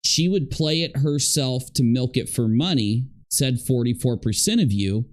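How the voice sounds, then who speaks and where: A man's voice: mid-range voice, expressive, measured pace. Man hosting a casual commentary livestream. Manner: talks directly to viewers, posing hypothetical questions. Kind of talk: casual reaction commentary to a live audience.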